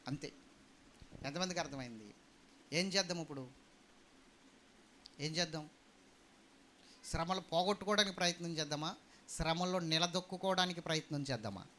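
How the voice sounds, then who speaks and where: A pastor preaching to his congregation in a high, ringing voice that cuts through clearly. He fires questions at the listeners and wants answers back, building to emphatic peaks before easing down. A faint hiss of background noise sits under the church recording. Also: moderate pace, pauses often, sharp tone. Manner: preaching with call-and-response to the congregation; rising and falling emphatic delivery. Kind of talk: sermon. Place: church hall.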